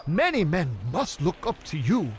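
A voice actor playing a flamboyant medieval knight in a video game, speaking in theatrical mock old English full of double meanings. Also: male voice, sing-song, a little slow, slight background noise. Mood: flattering. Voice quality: high, theatrical mock-Elizabethan delivery.

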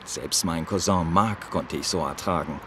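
A man's voice: sits low, moderate pace, close to an everyday voice. An actor playing a chatty, sociable family man in an audio drama. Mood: cheerful, friendly. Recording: clear street ambience noise.

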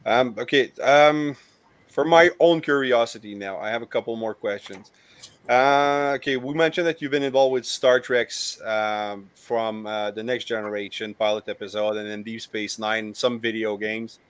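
Thirties male host, mid pitch, dry close sound, halting fan questions on a video call. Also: fairly even intonation, clean tone, dry recording. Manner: hesitant, many ums before questions. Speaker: interview host. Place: home room with collectibles, video call.

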